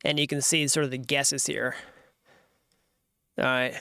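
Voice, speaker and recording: A man's voice: medium pitch, little pitch movement, a little slow, creaky, sharp tone, clear, resonant tone, no room sound, clean studio sound. An American man hosting his channel, casually explaining on screen while he hunts for links and wanders off on asides. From United States. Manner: chatty, digressive, searching for links on screen as he talks. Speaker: host of a programming channel.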